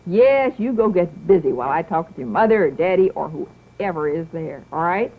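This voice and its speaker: A woman's voice: fairly low pitch, animated. Woman hosting children's TV, tinny old broadcast. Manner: slow, coaxing, sing-song teacherly delivery. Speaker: children's TV show host. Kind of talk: speaking gently to children, then to parents.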